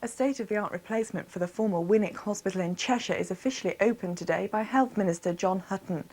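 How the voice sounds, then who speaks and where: A woman presenting regional television news, reading scripted bulletins in a formal, measured way. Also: mid-range voice, a little mellow.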